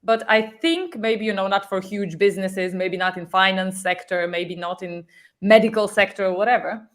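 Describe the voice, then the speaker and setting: A woman's voice: mid-range voice, fairly even intonation, moderate pace, fairly bright tone. A woman speaking informally as a guest in a casual panel discussion, chatty and fond of giving examples. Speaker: guest on a social media talk show.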